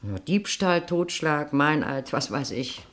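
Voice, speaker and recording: An actress playing a gossipy, insinuating woman in a German radio crime drama, speaking in a measured, confiding, pointed way. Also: low-pitched, lively intonation, fairly bright tone, exaggerated voice. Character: gossipy, insinuating female resident of a villa.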